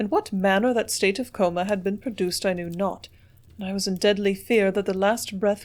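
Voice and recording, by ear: Fairly even intonation throughout a natural-voiced read-aloud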